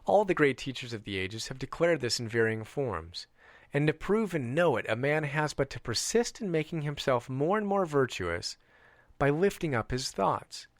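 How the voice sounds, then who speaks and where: A man reading a self-help audiobook in a measured, deliberate way, stressing contrasts. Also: medium pitch, sing-song, dry recording. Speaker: audiobook reader.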